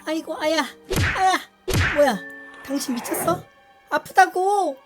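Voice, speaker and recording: A woman's voice: mid-range voice, expressive, moderate pace, loud music behind the voice, pitched above the performer's own voice, natural voice. A woman voicing a hot-tempered young wife who nags and huffs in exasperation. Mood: pained shrieking. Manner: whiny, exasperated sighs. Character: shrill hot-tempered young wife, nagging and quick to anger.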